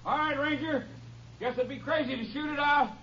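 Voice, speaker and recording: Shrill, cornered western outlaw. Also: male voice, fairly even intonation, a little fast, pushed and bright. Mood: strained, feigning surrender. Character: cornered, treacherous male outlaw in western radio drama. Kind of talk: 1950s western radio acting. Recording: muffled, noisy 1950s radio recording, off-mic.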